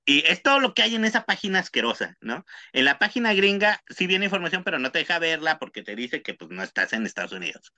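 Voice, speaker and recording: A man's voice: fairly high pitch, sing-song, fast talker, pushed and bright, dry recording. A man with a Mexican accent, casually chatting as a podcast co-host, rambling and slangy, tagging lines with tag questions. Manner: slangy, rambling storytelling with frequent "¿no?". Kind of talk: casual chat.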